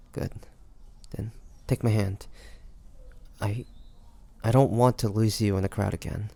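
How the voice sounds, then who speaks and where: A man playing a roguish, protective pirate captain in a scripted audio roleplay, talking teasingly and intimately to the listener in a gravelly voice. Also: on the low side, warm tone. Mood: concerned, urgent. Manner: teasing, smooth-talking, intimate pet names. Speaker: voice actor.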